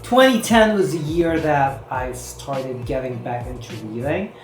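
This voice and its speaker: A Filipino book reviewer, whose first language is Filipino, chats to camera in an animated mid-range voice at a measured pace. She rambles and leans heavily on "you know" and "like", recorded in an echoey room with background music.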